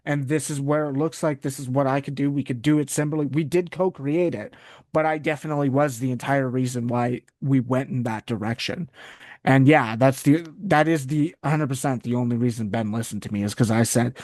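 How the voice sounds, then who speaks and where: A man's voice: medium pitch, fairly quick, a little mellow, no echo. Rambling Canadian man in a dry room. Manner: rambling, restarts often, goes on tangents. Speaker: guest, wrestling site writer. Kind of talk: casual interview chat.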